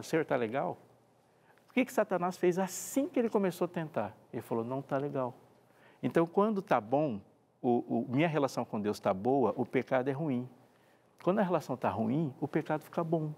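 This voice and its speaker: A man's voice: on the high side, gravelly, a little mellow. A man from Brazil, a pastor and TV presenter, talking on a devotional talk show and acting out quoted dialogue expressively.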